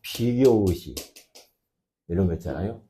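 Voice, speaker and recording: Emphatic male pastor with a dark voice. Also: low-pitched, expressive, unhurried, slight background noise. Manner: emphatic, swinging between loud outbursts and quiet asides. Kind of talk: sermon.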